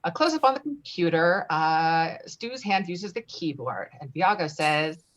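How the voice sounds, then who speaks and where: Table-read narrator: female, animated intonation, reads scene directions, dull lo-fi recording. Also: on the low side, unhurried. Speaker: stage-direction reader. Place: remote video-call reading. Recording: dull, lo-fi video-call audio.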